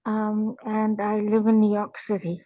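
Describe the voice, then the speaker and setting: A woman from Pakistan joining a video call, speaking haltingly with many fillers. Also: medium pitch, monotone, no echo. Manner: hesitant, many fillers and restarts. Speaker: participant. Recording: tinny phone-like line.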